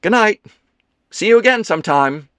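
A narrator plays a young man in an audiobook with a raised, lively voice. He is polite and plain-spoken, a little wry and a little guarded. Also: a little high, moderate pace, no echo, pitched above the performer's own voice. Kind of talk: audiobook character dialogue.

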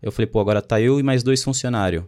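Speaking quickly at a middle pitch, a young guest in his twenties shares his own story over casual chat. His delivery is relaxed and slangy, and he keeps repeating other people's words.

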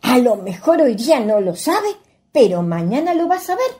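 A woman playing a cautious, scolding country ghost with a husky voice and a Chilean accent, speaking rural colloquial speech in a radio play. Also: fairly high pitch, big pitch swings, normal speed, dark tone. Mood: resigned, advising. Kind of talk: radio theatre acting.

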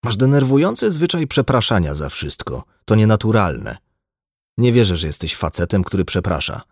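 A man voicing a blunt, embittered, drunk male doctor in an audiobook, gruff and lecturing. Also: lowish voice, big pitch swings, normal speed, dry recording, clean studio sound, heavily acted. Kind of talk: audiobook dialogue.

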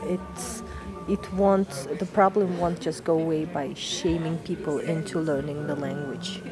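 A woman who heads a museum department speaks in a deliberate, persuasive way. Her voice is a little low. Clear music plays behind her. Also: fairly even intonation. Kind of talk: interview answers.

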